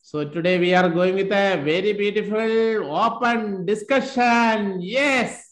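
A man's voice: high voice, measured pace, fairly bright tone, roomy sound. A man, teaching a live online spoken class and cheering his students on with repeated questions like "am I right?".

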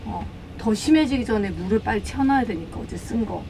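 A woman's voice: mid-range voice, animated, fairly quick, warm tone, a little hiss or hum. A woman co-hosting a vlog, chatting casually with her partner and the viewers. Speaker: vlog co-host. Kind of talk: casual chat.

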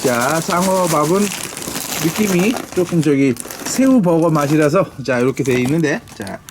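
Higher-pitched man hosting a casual snack review. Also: animated, background noise. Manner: informal, unscripted, thinking aloud with drawn-out hesitations. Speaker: host of a snack review video. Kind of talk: casual food review chat with a child.

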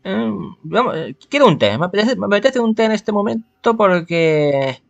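A man's voice: high-pitched, very animated, normal speed, creaky, dry recording, dull audio. A man playing through a visual novel aloud with casual commentary, musing and stumbling as he goes. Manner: stumbles and rereads, muses aloud. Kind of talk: casual gameplay commentary with dramatized reading.

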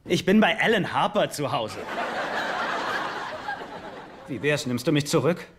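A man's voice: a little high, very animated, a little fast, very noisy. An actor playing a naive, lovesick rich man in a dubbed sitcom, earnest, guileless and a little sulky. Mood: lovesick, pleading. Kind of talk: German-dubbed sitcom acting.

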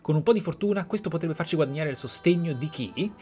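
Eloquent fantasy game magister, put on by a male streamer: formal, flamboyant, defiant, slightly raised pitch. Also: animated, fast, a little mellow, lightly acted. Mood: formal, grateful. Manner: florid, formal, theatrical. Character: eloquent, theatrical, defiant Tevinter magister noble.

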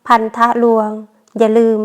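A woman narrating a romance novel as an audiobook, in a measured, even storytelling manner.

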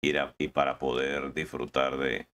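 A man's voice: extremely low pitch, level tone, measured pace, a bit bright. A man, chatting casually while playing a truck game, often stumbling and repeating words. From Colombia. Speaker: gaming video host.

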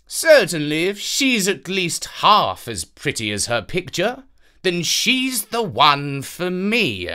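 A narrator voicing a vain, excitable fairytale king in a theatrical, self-satisfied manner. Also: medium pitch, slow, clean tone, voice pushed up, full character voice. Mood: smug.

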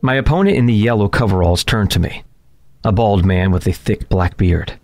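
A man's voice: fairly low pitch, normal speed, darkish tone, close to an everyday voice. An actor playing a working man trapped in deadly games, telling his story in tense, determined first-person narration. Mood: tense, recounting.

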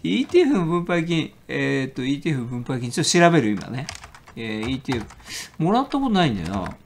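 A man's voice: medium pitch, wildly swooping pitch, quick pace, gravelly, background noise. A middle-aged man hosting a stock trading show, chatting casually, reading a listener's letter aloud, laughing often and stopping to look things up. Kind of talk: casual solo talk answering a listener letter.

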